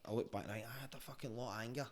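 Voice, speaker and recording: A man's voice: mid-range voice, steady tone, rapid-fire. A man with a Glaswegian street Scottish accent, chatting casually and telling stories in a candid, sweary, conversational way. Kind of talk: casual podcast chat and storytelling.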